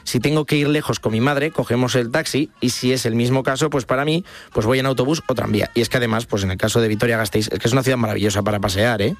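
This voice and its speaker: A man's voice: mid-range voice, quick pace. A young man from Spain, co-hosting a radio show, chatty and laughing often as he reads listener messages. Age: young adult. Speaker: radio co-host.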